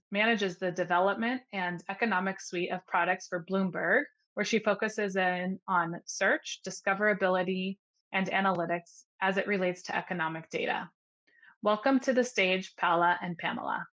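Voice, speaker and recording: A woman host reads scripted speaker introductions at a conference. Her delivery is formal and even, and her mid-pitched voice comes through a slightly dull, muffled recording. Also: normal speed. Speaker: session host.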